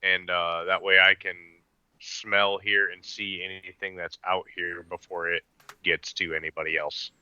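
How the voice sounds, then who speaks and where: A man's voice: deep voice, little pitch movement, measured pace, pushed and bright, smooth, no room sound, highs cut off. A man chatting casually as a player in a tabletop roleplaying game. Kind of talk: casual chat in game play.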